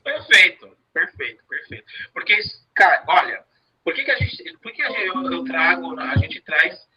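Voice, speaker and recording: A man's voice: high voice, animated, moderate pace, muffled recording, a little hiss or hum. A man teaching a casual review lesson, chatty, often checking in with "né?". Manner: chatty, repeats words and asks "né?".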